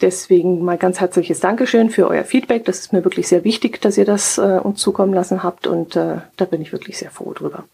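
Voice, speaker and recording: Slightly hoarse woman podcaster. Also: lowish voice, brisk, few pauses, warm tone. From Allgäu, Germany. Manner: chatty, reads listener comments aloud, frequent "äh" fillers. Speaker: podcast host. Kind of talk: casual podcast chat.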